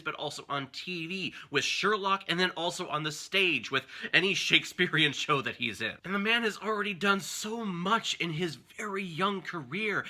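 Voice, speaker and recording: A man's voice: sits high, sharp tone. A young man hosting a film review show, speaking casually and enthusiastically to viewers with strong emphasis. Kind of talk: scripted casual movie review to camera.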